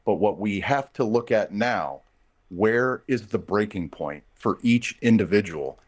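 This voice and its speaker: A man's voice: fairly low pitch, expressive, measured pace. A man speaking as a union representative in a live news interview, explaining things emphatically and off the cuff. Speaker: air traffic controllers' union representative, interview guest.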